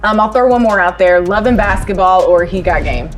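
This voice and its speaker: A woman's voice: on the low side, soft background music. A woman hosting an interview, upbeat and bubbly as she asks her questions. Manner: upbeat, bubbly, quick to laugh. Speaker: host, interviewer. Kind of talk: casual interview chat.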